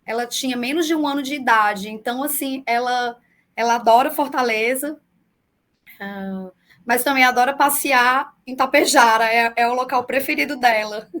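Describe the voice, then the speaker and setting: A woman in her forties with a Brazilian accent that mixes southern and northeastern sounds, answering interview questions over a video call in a measured, explanatory way with frequent fillers. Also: a little high, fairly bright tone. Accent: mixed southern Brazilian and northeastern Brazilian Portuguese. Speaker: public defender.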